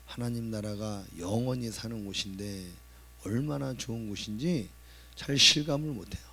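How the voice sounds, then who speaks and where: A man's voice: lowish voice, normal speed, pushed and bright. A man, a pastor, preaching an earnest sermon with emphatic rises in his voice.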